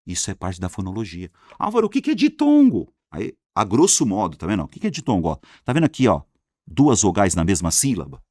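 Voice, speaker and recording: Animated Brazilian man teaching grammar. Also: fairly low pitch, no echo, studio quality. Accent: Brazilian Portuguese. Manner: animated, slangy, answers his own questions. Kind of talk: energetic online lesson.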